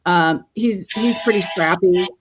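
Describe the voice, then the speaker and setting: A woman's voice: lowish voice, unhurried, soft background music. A middle-aged woman from California, a guest on a livestream, chatting casually with lots of fillers and frequent laughs. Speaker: guest panelist.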